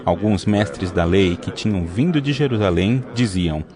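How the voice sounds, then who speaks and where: A man narrating an audio Bible in a steady, measured scripted reading. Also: low voice. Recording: music playing underneath.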